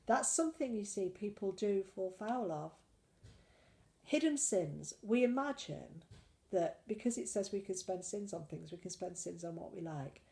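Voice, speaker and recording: A woman's voice: medium pitch, lively intonation, moderate pace, creaky, mellow. A woman with a cold chatting in a casual weekly diet vlog, rambling and self-deprecating. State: full of cold. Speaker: slimming vlogger.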